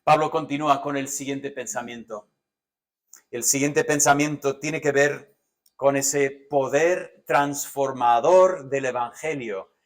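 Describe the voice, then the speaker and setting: A man with a Spanish accent from Spain preaching a sermon as pastor, animated, swinging between loud emphatic lists and soft, low asides. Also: slow pace. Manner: animated, varies loudness widely, drops to soft asides.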